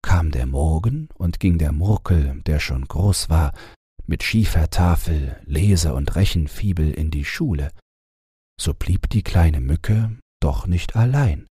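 Very deep, husky male storyteller. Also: animated, takes it slowly, dark tone, no room sound, studio quality. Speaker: audiobook narrator. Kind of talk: bedtime storytelling, scripted narration.

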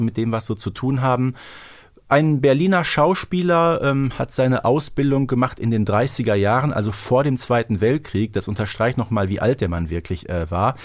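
A man hosting a podcast, discussing things with a fan's enthusiasm in an effusive, emphatic way. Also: medium pitch. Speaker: podcast host.

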